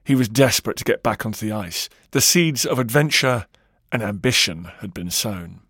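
A man's voice: lowish voice, animated, moderate pace, fairly bright tone, husky, no echo, studio quality. A man narrating a scripted history documentary with dramatic, varied emphasis.

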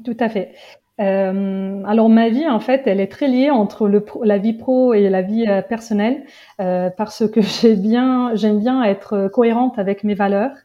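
A woman from Genoa in her thirties, speaking French with an Italian accent as an interview guest, pausing often with fillers and restarts. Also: mid-range voice, muffled recording. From Italy, Genoa. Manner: hesitant, many fillers and restarts. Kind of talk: casual interview.

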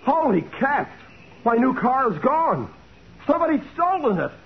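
Cocky american newspaper man, old radio drama, super animated and breezy, muffled with some hiss. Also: very high voice, moderate pace, heavily acted. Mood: shocked. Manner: breezy, colorful, wisecracking. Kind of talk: 1940s radio drama acting. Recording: muffled, hissy 1940s radio recording.

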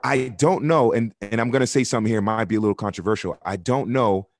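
A man's voice: fairly low pitch, quick pace, no room sound, clean studio sound. A man from Miami, a soccer broadcaster speaking as a podcast guest, candid and earnest, building his points through repetition. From Miami, United States. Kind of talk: podcast interview.

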